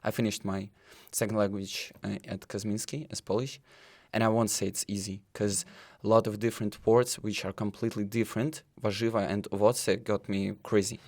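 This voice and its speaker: A man's voice: on the low side, level tone, brisk, darkish tone. A young man from Ukraine, a Ukrainian native speaker and student, answering interview questions earnestly in fairly fluent English. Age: young adult.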